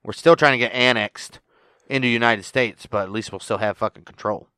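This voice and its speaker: Smooth-voiced man swearing through a recap. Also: medium pitch, pushed and bright, no echo. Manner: profane, loose retelling with quick mimicry. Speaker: podcast co-host. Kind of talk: casual episode recap chat.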